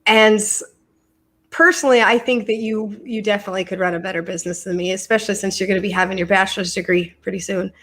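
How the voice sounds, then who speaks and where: A woman's voice: medium pitch, fairly even intonation, quick pace, fairly bright tone. A middle-aged American woman hosting a live podcast, talking casually and fondly to her daughter, often repeating words as she starts a thought. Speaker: podcast host. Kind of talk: casual live-stream chat.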